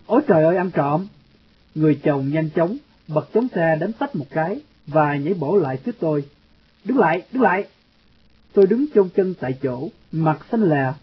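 Man narrating an audiobook, slightly high. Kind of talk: storytelling narration. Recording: dull lo-fi audio, faint music.

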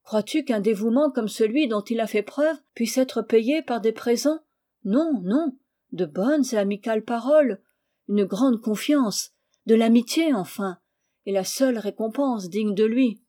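Gentle, wise young woman, as a reader plays her. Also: fairly high pitch, close to an everyday voice. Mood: affectionate, earnest. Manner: tender, measured, earnest.

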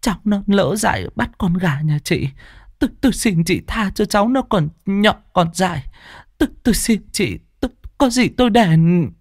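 A kindly old village woman in a storybook speaks softly, in a raised and fussing voice, as a man puts her on. She pleads and dotes rather than scolds. It is close and dry. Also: high voice, animated, normal speed, dry recording, voice pushed up. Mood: pleading.

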